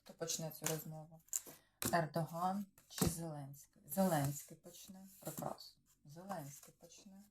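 A Ukrainian woman with a lowish voice reads tarot cards against the day's news, musing aloud and checking in with her audience. The recording carries steady background noise. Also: a little slow. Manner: musing, talks to cards and viewers, trails off. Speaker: tarot reader. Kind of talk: tarot reading on current news. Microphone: clip-on or desk microphone.

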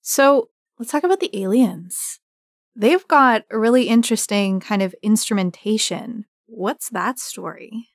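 A woman's voice: medium pitch, measured pace, dry recording. Woman interviewer, dry close sound. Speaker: moderator asking questions. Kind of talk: conversational interview.

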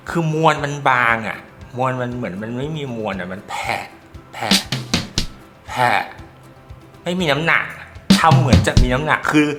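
A man talks through an earbud review in a loose, rambling manner at an ordinary middle pitch, hunting for the right words and letting casual swears slip. Clear music plays behind his voice. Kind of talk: casual tech review talk.

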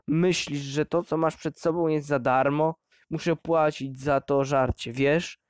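A man voicing a drunk, bitter middle-aged miner who yells contemptuously at his son. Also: mid-range voice, fairly even intonation, slow pace, clear, resonant tone, dry recording, studio quality. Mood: drunken rage. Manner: shouting, snarling, contemptuous.

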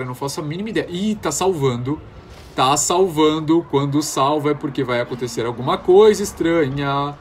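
A man's voice: mid-range voice, a little hiss or hum. A man with a Brazilian accent commentating on a horror game, panicky and easily startled. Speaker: gamer.

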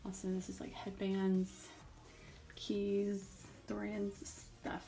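A woman's voice: medium pitch, completely flat delivery, slow pace, mellow, soft background music. A young woman chatting casually in a vlog, talking in an easygoing way full of "like" fillers. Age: young adult. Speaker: vlogger.

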